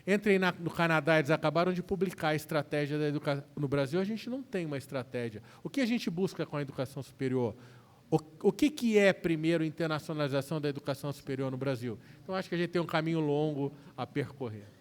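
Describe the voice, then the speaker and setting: A man's voice: fairly high pitch, animated, quick pace. A man speaking as a panelist, working through rhetorical questions with hesitant restarts and repeated words. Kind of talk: panel discussion answer.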